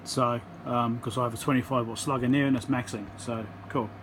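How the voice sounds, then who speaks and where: An electronics repair presenter talking casually as he works at his home workbench, thinking aloud with frequent ums and pauses. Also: mid-range voice, steady tone, noisy background. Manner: thinks aloud with many ums, counts into the mic.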